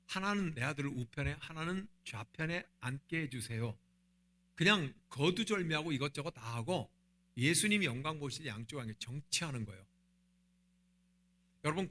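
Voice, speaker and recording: Male pastor preaching a sermon, animated pitch, questions the congregation often. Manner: asks the congregation rhetorical questions. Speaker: senior pastor.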